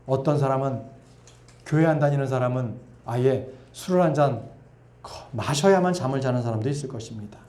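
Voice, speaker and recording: A middle-aged male pastor preaching an earnest sermon, sometimes softly voicing God's gentle words. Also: medium pitch, fairly quick. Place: church sanctuary. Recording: echoey church hall.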